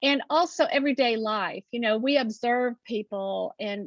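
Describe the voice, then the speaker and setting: Against a quiet background, a woman with an Appalachian accent talks at a fairly slow pace with a fairly high pitch and lively intonation, her sound dry and close with no echo. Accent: Appalachian twang. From Southeastern Ohio, Appalachia. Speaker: poet. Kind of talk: interview. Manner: hesitant, many fillers.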